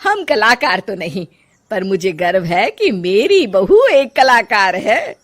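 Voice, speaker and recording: A woman's voice: mid-range voice, very animated, slow pace. A woman voicing an older mother-in-law in a cartoon story, who gives orders at first and later speaks kindly. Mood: warm. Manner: commanding, then affectionate.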